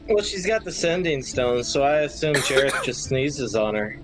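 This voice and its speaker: A man's voice: medium pitch, big pitch swings, normal speed, loud music behind the voice, rough recording. A man chatting casually as a player in a tabletop role-playing game.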